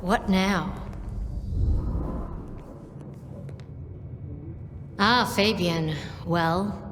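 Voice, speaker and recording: An actress playing a curt, deadpan and dismissive office gatekeeper in a noir video game. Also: female voice, lowish voice, takes it slowly. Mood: brusque. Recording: long reverb, clear background noise.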